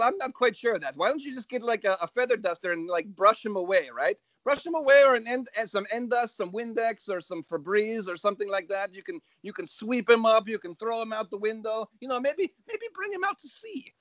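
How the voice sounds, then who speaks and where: A man playing a chatty, scatterbrained skeleton dad who hosts a comedy show, rambling excitably, repeating phrases and tagging sentences with "right?". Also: high-pitched, brisk, few pauses, dry recording, lo-fi sound. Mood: chatty, eager. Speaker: show host. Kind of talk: improvised comedy skit banter.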